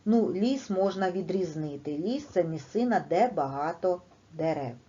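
A woman teaching a lesson to young children, speaking slowly and stressing each word with a lively, sing-song lilt. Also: on the low side. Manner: slow and deliberate, stressing words emphatically. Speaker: primary school teacher. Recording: dull, lo-fi recording.

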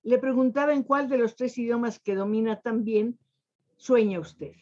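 Older woman, lyrical interviewer, mellow husky voice, lo-fi call sound. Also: fairly high pitch, steady tone, moderate pace. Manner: eloquent, lyrical phrasing. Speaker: interviewer and host. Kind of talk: warm formal television interview. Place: home library with staircase.

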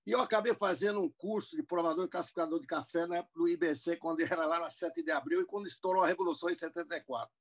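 A man's voice: on the high side, husky. A man in his seventies from the United States, a businessman guest telling his life story in a rambling interview manner over a video call. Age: 70s. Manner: rambling, with many restarts and asides. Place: indoor room at home.

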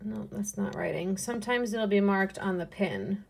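A young adult woman casually going through a bin of flea market jewelry, pricing each piece and muttering soft asides to herself. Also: mid-range voice, vocal fry, husky. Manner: unhurried, softly muttering asides, cooing over pieces. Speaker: resale seller pricing jewelry. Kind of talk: casual hands-on haul video.

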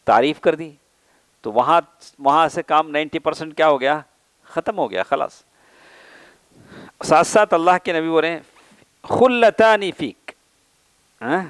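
This is a man speaking with an Indian Urdu accent, teaching a religious class to a gathering. His voice sits a little high for a man, and the sound is dry and close, with almost no room echo. He keeps asking his listeners questions and then answers them himself. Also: pauses often, fairly bright tone. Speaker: Islamic scholar giving a lecture. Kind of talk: religious lecture. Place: mosque or lecture hall.

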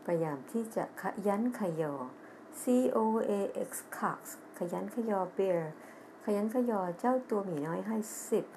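This is a middle-aged woman with a Thai accent who teaches English on a TV lesson. She speaks at a slow, deliberate pace and reads the lines of a children's story aloud before explaining them. She spells words out letter by letter, and a faint hiss sits behind her voice. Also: medium pitch, darkish tone.

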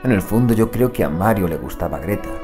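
An actor playing an anxious, excitable male investigator who also narrates a dramatic audio drama. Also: lowish voice, fast talker, over music, close to an everyday voice. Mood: brooding, dramatic. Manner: dramatic, brooding storytelling.

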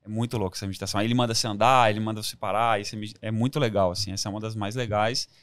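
A man's voice: on the low side, fairly even intonation, racing, clean tone, dry recording. A Brazilian man talking informally and enthusiastically as a podcast guest, with plenty of slang. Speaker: podcast guest, amateur triathlete. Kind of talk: casual podcast chat.

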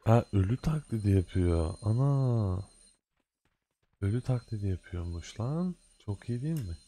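A man with a fairly low, mellow, husky voice and lively intonation talks at normal speed while playing his own game. He's a gaming video host and an adult with a day job, bantering in loose slang and mock-scolding the game during a casual let's-play.

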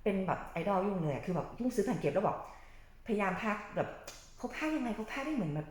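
Fast-talking woman in a very echoey room. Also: medium pitch, big pitch swings, darkish tone. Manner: gushing, admiring, informal. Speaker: interviewer. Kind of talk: casual interview chat. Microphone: far camera microphone. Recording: very echoey room, mic at distance.

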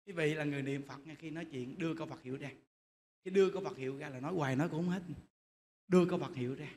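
Animated monk preaching. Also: male voice, a little high, rapid-fire. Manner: lively, animated storytelling, addresses the audience directly. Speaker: Buddhist monk giving a dharma talk. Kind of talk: sermon. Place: temple hall. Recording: echoey hall with faint noise.

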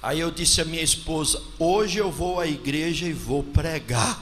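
Man, 40s, from Brazil, preacher at a pulpit, hushed storytelling turning to shouted praise, long church-hall echo. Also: a little high, normal speed. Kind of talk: Pentecostal sermon with testimony. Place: large church hall with congregation. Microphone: handheld microphone at a pulpit. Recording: long church-hall reverb, faint noise.

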